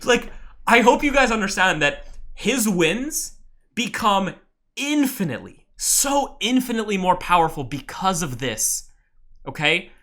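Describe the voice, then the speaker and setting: A trading mentor teaching a live webinar, excitable and profane, often bursting into loud exclamations. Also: medium pitch, a little slow.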